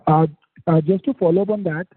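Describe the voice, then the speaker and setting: A man's voice: high voice, a little fast, husky, no room sound. A man with an Indian accent, an analyst calling in to an earnings call, asks questions somewhat hesitantly over a phone line. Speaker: analyst caller asking questions. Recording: dry, tinny narrowband phone line.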